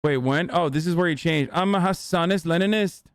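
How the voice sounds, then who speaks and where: A man's voice: fairly high pitch, brisk, clean tone, no room sound, studio quality. A man streaming live, reacting to clips in crude, mocking, profane casual chat.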